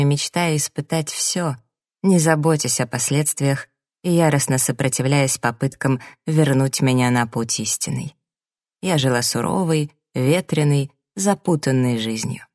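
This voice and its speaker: A woman narrating a memoir in the first person, in a calm, reflective audiobook reading. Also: low-pitched, no echo, studio quality.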